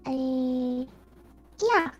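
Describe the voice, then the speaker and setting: High-voiced young woman. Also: expressive, very slow, breathy edge. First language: Chinese. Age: young adult. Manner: modest, hesitant, simple phrasing. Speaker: guest. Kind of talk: casual streamed chat.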